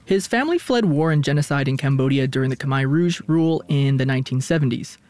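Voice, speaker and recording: A man narrating a radio news feature as reporter, in a measured, scripted storytelling voice. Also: mid-range voice, lively intonation, a little mellow.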